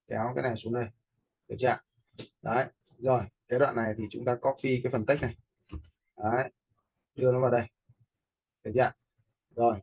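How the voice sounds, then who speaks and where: A man giving a casual, step-by-step software tutorial, informally checking in with listeners as he goes. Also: medium pitch, slightly rough. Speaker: video editing instructor. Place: indoors, voice-over for a screen recording.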